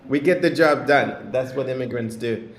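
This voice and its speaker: A man's voice: mid-range voice, normal speed. A man hosting a podcast, introducing and interviewing a guest in an upbeat, emphatic way. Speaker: podcast host. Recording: roomy sound with faint music.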